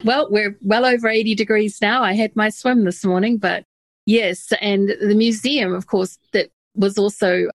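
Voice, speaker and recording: A woman's voice: medium pitch, steady tone, normal speed, dry recording. A middle-aged woman from New Zealand hosting an interview, chatty and enthusiastic. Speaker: interview host. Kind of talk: conversational interview.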